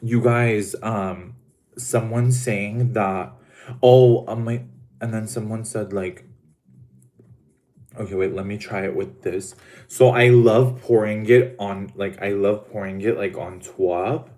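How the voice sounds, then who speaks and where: A man's voice: fairly low pitch, fairly even intonation, takes it slowly, mellow. A man hosting a casual livestream, talking in a dramatic, camp way to his viewers while he eats. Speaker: livestream host.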